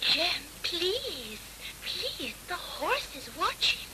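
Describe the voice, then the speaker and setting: Loud background noise sits under a put-on character voice that moves at a very slow pace. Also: woman, extremely high pitch for a woman. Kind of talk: pantomime heroine. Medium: old radio play. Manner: breathy, girlish.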